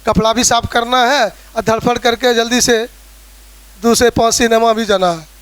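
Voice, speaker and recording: High-voiced physics teacher with Bihari accent. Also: male voice, fairly bright tone. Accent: Bihari Hindi. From Bihar, India. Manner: explains with everyday examples, often checks in with students. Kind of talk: classroom lecture.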